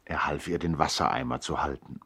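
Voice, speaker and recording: Radio play narrator, really deep husky voice, measured thoughtful storytelling about his brother. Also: sharp tone, exaggerated voice. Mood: tender, reflective. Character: Biagio, reflective brother narrating a tale.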